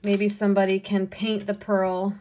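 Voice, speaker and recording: A young adult woman casually going through a bin of flea market jewelry, pricing each piece and muttering soft asides to herself. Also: medium pitch, completely flat delivery, a little hiss or hum. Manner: unhurried, softly muttering asides, cooing over pieces. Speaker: resale seller pricing jewelry. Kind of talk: casual hands-on haul video.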